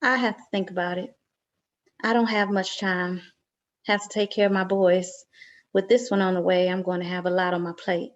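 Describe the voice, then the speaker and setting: A woman playing a reserved, polite expectant mother who is quietly wary, in a screenplay table read. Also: lowish voice, flat delivery, moderate pace, lo-fi sound, close to an everyday voice.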